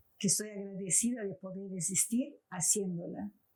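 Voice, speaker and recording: Her voice somewhat breathy, a woman speaks at medium pitch in a dark, mellow tone. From Brazil. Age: 70s. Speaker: visual artist. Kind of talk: interview.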